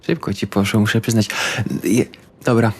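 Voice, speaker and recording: A man's voice: fairly low pitch, fairly even intonation, normal speed, breathy edge. A man playing a tabletop role-playing game, speaking casually in and out of his role. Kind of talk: casual role-play chat.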